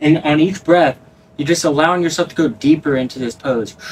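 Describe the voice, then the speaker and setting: A man with a calm, soothing tone, a moderate pace and ordinary pitch variation. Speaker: yoga instructor. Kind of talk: guided yoga class with cues. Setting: video class. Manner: calm, rhythmic, soothing cueing; encouraging, warm. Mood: calm, spiritual, encouraging. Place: home room. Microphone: camera far.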